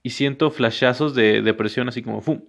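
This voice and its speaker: Gravelly man, easygoing. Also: medium pitch, a little fast, slight background noise. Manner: easygoing, rambling, encouraging. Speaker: podcast host. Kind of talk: casual solo podcast. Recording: dull lo-fi sound.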